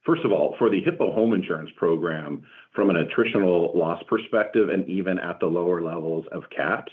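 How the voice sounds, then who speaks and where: A man answering questions as a company executive on an earnings call, in measured corporate explanation. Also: deep voice, slightly rough. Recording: muffled phone-like conference call line.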